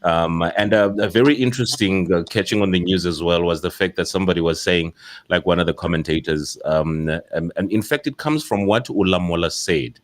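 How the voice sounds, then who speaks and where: A man's voice: low-pitched, brisk. A South African man hosting a casual podcast discussion, talking in a rambling way with many fillers and restarts. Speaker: podcast host.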